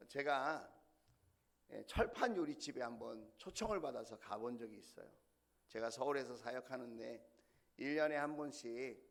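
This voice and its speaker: A man's voice: medium pitch, vocal fry. A middle-aged male senior pastor delivering a sermon, telling stories with animation and putting questions to the congregation.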